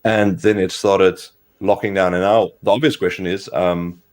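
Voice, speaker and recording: A man co-hosting a casual tech livestream, hoarse from a cold, explaining things in a rambling way with lots of fillers. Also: low-pitched, fairly even intonation, moderate pace. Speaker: co-host.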